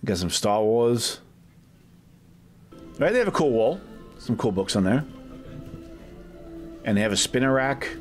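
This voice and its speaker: A man's voice: mid-range voice, sing-song, unhurried, pauses often, soft background music. A man giving a casual shop tour as a vlog host, chatty and off the cuff, often tacking questions onto his remarks. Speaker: video host and comic collector. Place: inside a packed medium-sized shop. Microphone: handheld camera held by the speaker.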